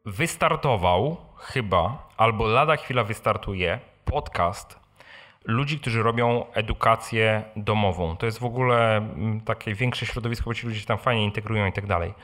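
A man with a lowish voice hosts a live question-and-answer talk. He speaks in a casual, conversational way and keeps checking in with short tag questions. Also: normal speed, a bit bright. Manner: informal, conversational, often adds tag questions. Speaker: blogger and podcast host answering audience questions. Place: live meeting in a room with an audience.

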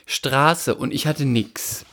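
A woman's voice: rumbling low, slow, a bit bright. A woman in a casual chat who reacts with sympathy and tells her own story with lots of exclaiming.

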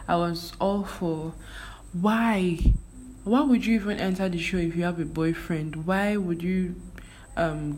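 A woman's voice: lowish voice, a little mellow. A young Nigerian woman with a Nigerian accent, whose first language is Igbo, chatting casually on her vlog with lots of fillers and restarts. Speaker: vlogger. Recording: faint background noise.

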